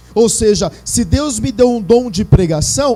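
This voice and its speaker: A man's extremely high voice with lively intonation at a fairly slow pace, music in the background. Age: 40s. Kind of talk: sermon. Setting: livestream with chat.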